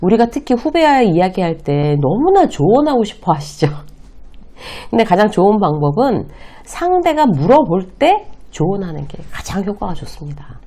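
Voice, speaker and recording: A woman's voice: medium pitch, sing-song, moderate pace, mellow. A middle-aged woman giving a lecture on workplace communication, explaining point by point and acting out short example lines. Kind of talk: lecture to camera.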